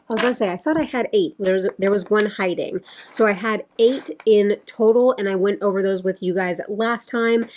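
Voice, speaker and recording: A woman's voice: mid-range voice, a little mellow. Chatty woman losing her voice. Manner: chatty, rambling, with many fillers. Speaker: beauty vlogger. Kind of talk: casual chat.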